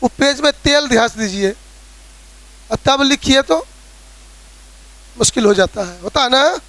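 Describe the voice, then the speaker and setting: High-voiced physics teacher with Bihari accent. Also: male voice, expressive, a little slow, a bit bright. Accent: Bihari Hindi. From Bihar, India. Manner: explains with everyday examples, often checks in with students. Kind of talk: classroom lecture.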